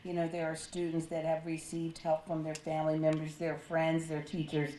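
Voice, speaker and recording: A woman hosting an awards ceremony, giving emphatic, drawn-out praise with repeated words. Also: sits low, completely flat delivery, warm tone, a little hiss or hum. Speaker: ceremony host. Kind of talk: emcee remarks at an awards ceremony. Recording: echoey hall with faint crowd.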